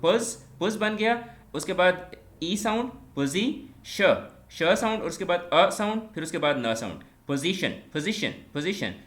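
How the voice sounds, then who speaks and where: Bright-voiced male English tutor. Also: sits high. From Pakistan. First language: Punjabi. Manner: sounds words out slowly, repeating each one many times. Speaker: English teacher. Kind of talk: online exam-prep lecture.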